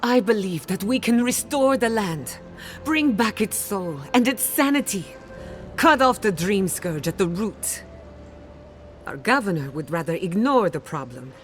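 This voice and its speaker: A woman's voice: medium pitch, expressive, a little slow, soft background music, close to an everyday voice. A woman playing a passionate, defiant scholar of soul science in a fantasy video game, speaking with dramatic, pointed emphasis. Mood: earnest, determined. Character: passionate, defiant female animancer fighting for her blighted land. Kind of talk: video game character acting.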